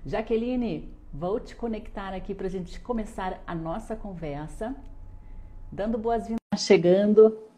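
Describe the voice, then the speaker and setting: This woman has a fairly high pitch, ordinary pitch variation, and a dark, mellow tone that is somewhat breathy. She speaks at a fairly slow pace with big swings in loudness. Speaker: radio and online show host. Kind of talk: live interview show. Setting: remote live stream, away from studio.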